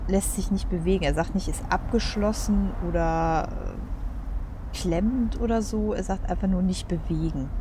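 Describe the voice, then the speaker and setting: A woman's voice: fairly low pitch, background noise. A woman giving casual, colloquial let's play commentary on a game, thinking aloud in a puzzled way.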